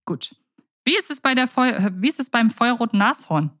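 A woman with a higher-leaning, fairly bright voice speaks animatedly at a normal speed. She's a podcast co-host in casual chat, talking playfully in long, winding sentences.

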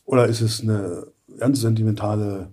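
Older male voice actor guest in his sixties, mellow and husky, lively storyteller who acts out bits. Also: lowish voice, normal speed. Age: 60s. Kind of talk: casual interview chat.

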